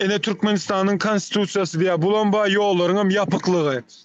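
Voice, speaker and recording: Delivery holds a moderate pace with fairly even intonation. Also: man. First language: Turkmen (speaking Turkish). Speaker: activist. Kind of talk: live stream speech at protest. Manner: halting, many fillers.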